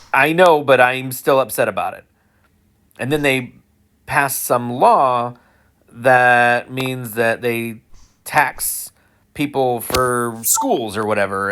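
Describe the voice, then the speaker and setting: A middle-aged man muses aloud in a loose, unscripted monologue. He talks at an ordinary pitch for a man, restarts his sentences and lets small chuckles slip in, with a self-deprecating edge. It sounds like someone working out his thoughts as he goes. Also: fairly bright tone, slight background noise. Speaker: school employee sharing personal views. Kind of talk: casual monologue.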